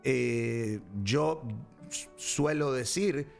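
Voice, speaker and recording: A man's voice: medium pitch, extremely slow, creaky, soft background music. A man hosting a Christian talk show as a pastor, speaking in a preachy, rambling way with fillers and restarts. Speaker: pastor and program host.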